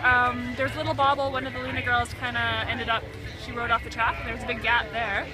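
Clear music plays in the background as a woman talks at a very fast pace in a dry sound with no echo. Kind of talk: interview answer. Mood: cheerful, laughing. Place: stadium. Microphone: phone near.

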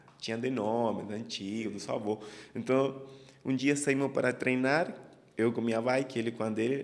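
Speaking at a moderate pace, a man with an Argentine accent keeps his intonation fairly even. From Argentina. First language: Spanish (speaking Portuguese). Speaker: professional cyclist; guest. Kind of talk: interview. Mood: relaxed, storytelling. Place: studio. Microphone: studio mic.

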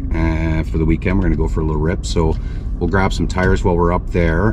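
Very deep and low in pitch, a man talks with ordinary pitch variation in a dry sound with no echo, with noticeable background noise. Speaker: vlogger driving. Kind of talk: casual vlog chat. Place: car. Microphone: camera far.

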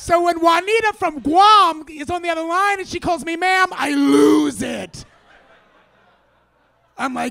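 A raised, projected voice at a fairly slow pace, animated in tone, with big swings in loudness and long, frequent pauses. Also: man. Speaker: stand-up comedian. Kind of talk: stand-up comedy routine. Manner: animated, exasperated storyteller. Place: stage. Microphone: handheld.

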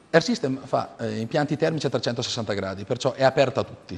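The man's intonation is lively and his pace moderate. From Italy, Marche (Fano); Marche, Italy. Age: 30s. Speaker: heating systems business owner; guest. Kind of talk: interview. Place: studio. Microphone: lapel.

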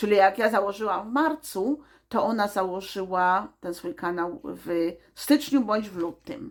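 Speaking at a fairly slow pace, a woman with a medium pitch uses lively intonation and big swings in loudness. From Poland. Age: 50s. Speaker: vlogger. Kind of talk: casual monologue. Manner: halting.

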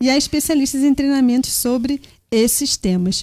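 Her dark, mellow tone carries a woman's speech at a moderate pace. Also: quiet background. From Rio de Janeiro, Brazil. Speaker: pet show host. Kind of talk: talk show interview. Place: studio. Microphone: studio mic.

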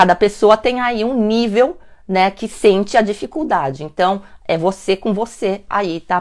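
The background is quiet as a woman speaks at a fairly slow pace, her pitch varying in an ordinary way. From Brazil, São Paulo. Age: 40s. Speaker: time management consultant; time management coach. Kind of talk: live stream talk; live stream talk, advice. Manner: hesitant with fillers. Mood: warm, friendly. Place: home room. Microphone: lapel.

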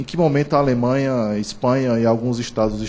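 A man at medium pitch and a fairly quick pace, with fairly even intonation, audible room echo and noticeable background noise. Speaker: audience member, regulatory agency staff. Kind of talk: audience question. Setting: seminar auditorium.

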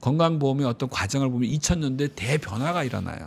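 A man speaks at a moderate pace with a medium pitch and ordinary pitch variation. His voice is somewhat breathy on a very clean recording with a silent background. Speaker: medical school professor. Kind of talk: interview discussion. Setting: studio.

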